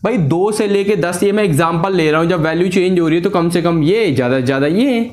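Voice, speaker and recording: A man's voice: sits high, fast talker, a little mellow. A man teaching physics at a board, walking students step by step through a derivation and mixing English formula terms into his speech. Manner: talks students step by step through a derivation, calling them sir and beta. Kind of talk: blackboard lesson. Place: classroom at a board.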